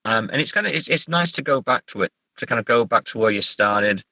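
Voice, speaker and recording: A man from England chatting casually as an interview guest, halting and self-correcting, with a wry way of telling stories. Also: medium pitch, expressive, pushed and bright, dry recording, poor audio. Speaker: horror novelist and therapist guest. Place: sitting in a parked car.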